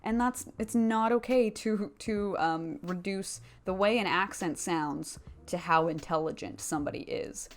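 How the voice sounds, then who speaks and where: A woman's voice: lowish voice, a little slow, few pauses. A woman giving casual, opinionated commentary to viewers in an informal, slangy and emphatic way. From Canada. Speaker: video commentary host.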